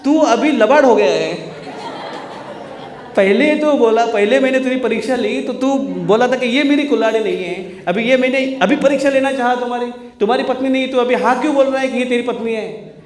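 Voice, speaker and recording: A man voicing a female river goddess in a storytold sermon, speaking high, benevolent and then scolding. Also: steady tone, moderate pace, hardly any pauses, darkish tone, recorded from a distance, lightly acted. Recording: roomy temple hall.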